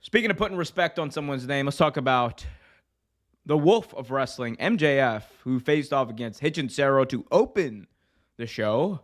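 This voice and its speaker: Animated man in casual wrestling talk. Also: mid-range voice, normal speed. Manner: animated, breaks into mocking impressions. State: voice strained. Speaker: podcast co-host.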